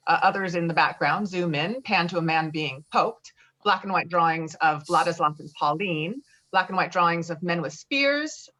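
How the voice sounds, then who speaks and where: A woman's voice: fairly low pitch, a bit bright, rough recording. A woman reading screenplay directions aloud at a table read in clipped, descriptive phrases. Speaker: stage directions reader.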